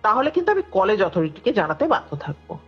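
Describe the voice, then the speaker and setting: This woman talks fast in a medium-pitched, slightly breathy voice while telling a ghost story as a guest. Animated throughout, she acts out what each person said; the recording is a dull lo-fi call with music behind it.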